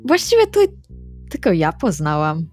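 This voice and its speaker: A woman's voice: low voice, huge pitch swings, moderate pace, a little mellow. A woman roleplaying casually in a tabletop game, with a playful, informal way of talking. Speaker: tabletop RPG player. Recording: music behind the voice.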